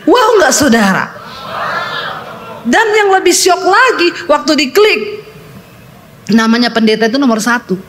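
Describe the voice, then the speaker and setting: A woman's voice: unhurried, long pauses, background noise. A middle-aged woman pastor, preaching a sermon and telling a story, acting out the voices in it. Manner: lively storytelling, acting out dialogue with pitch jumps.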